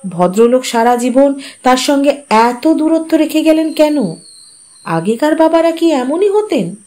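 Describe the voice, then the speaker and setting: Calm woman reading a story aloud. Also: a little high. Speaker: story narrator and channel host.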